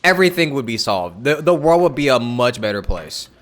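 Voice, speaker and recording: A woman's voice: rumbling low, big pitch swings, brisk, a little hiss or hum. A woman giving casual, joking, teasing commentary as she live-streams a game.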